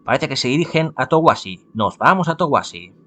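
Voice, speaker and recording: A man's voice: medium pitch, big pitch swings, fairly quick, bright, forceful tone. A man voicing a dutiful samurai messenger, giving a formal report.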